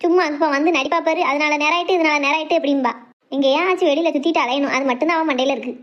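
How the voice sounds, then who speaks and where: A woman acts out a cranky elderly cartoon mother-in-law with a southern Tamil Nadu accent. Her voice is high and she scolds extremely fast, full of sarcasm. The sound is a little dull. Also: close to an everyday voice. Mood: grumbling. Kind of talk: cartoon comedy drama dialogue.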